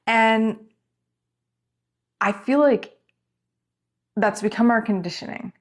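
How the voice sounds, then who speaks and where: A woman's voice: fairly high pitch, very slow, pauses often. Chatty, rambling woman vlogger. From Canada. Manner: rambling and chatty, full of "like" and self-corrections. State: yawning, has an ear infection. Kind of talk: casual storytelling vlog.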